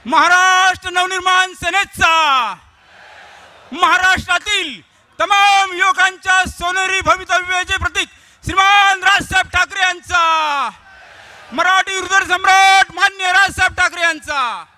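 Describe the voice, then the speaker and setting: A man working as a rally announcer, shouting an introduction and drawing out chanted slogans. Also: very high-pitched, steady tone, unhurried.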